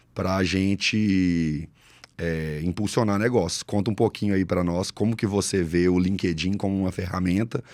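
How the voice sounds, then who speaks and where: A man's very deep, low voice at a moderate pace with fairly even intonation, on a very clean recording with a silent background. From Brazil, Minas Gerais. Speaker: podcast host, agency founder. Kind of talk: podcast interview.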